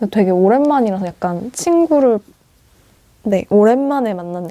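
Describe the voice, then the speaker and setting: A woman is speaking. Her voice carries a dark, mellow tone. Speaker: tarot reader. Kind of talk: tarot reading monologue.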